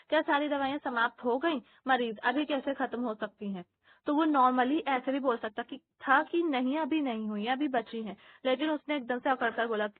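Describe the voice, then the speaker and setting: A woman's voice: fairly high pitch, dry recording. A woman teaching an exam-prep lesson, explaining a textbook point by point with many fillers and restarts. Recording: tinny phone-like recording.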